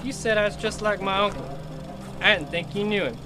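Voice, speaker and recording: A man's voice: high-pitched, fairly quick, music in the background, lightly acted. A man acting an earnest, plain-spoken country monster hunter in an audio drama, with a Southern American accent. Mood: puzzled. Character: earnest rural monster hunter avenging his uncle.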